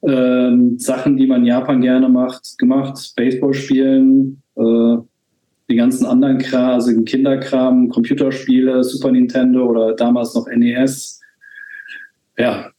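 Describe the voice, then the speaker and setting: A man in his forties from Germany talks as a podcast guest, pausing often and restarting his sentences. His voice is mellow and dark. The room around him is noticeably echoey. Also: mid-range voice, level tone. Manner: hesitant, many fillers and restarts. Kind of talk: casual conversation.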